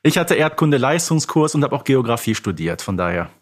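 A man's voice: mid-range voice, big pitch swings, a little fast. A man answering and chatting casually as a contestant on a quiz podcast, playfully sure of himself.

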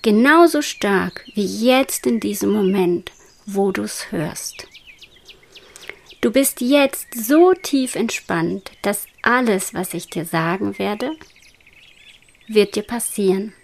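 A woman guiding a hypnosis meditation in a soft, slow whisper. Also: mid-range voice, expressive, vocal fry, a little hiss or hum. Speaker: hypnosis guide.

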